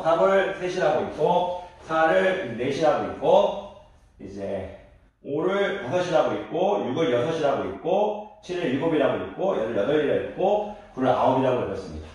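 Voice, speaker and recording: A middle-aged man teaching a math lesson to young children. He refers to himself as the teacher and counts aloud slowly while drawing. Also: a little high. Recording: echoey room, voice from a distance.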